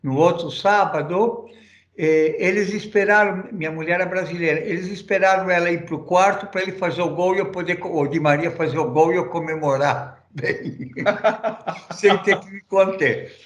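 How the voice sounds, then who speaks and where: A middle-aged man from Argentina gives loose, rambling answers in an interview, full of fillers and restarts. His voice sits a little high, and the room around him echoes. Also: moderate pace. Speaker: interview guest. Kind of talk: casual conversational interview.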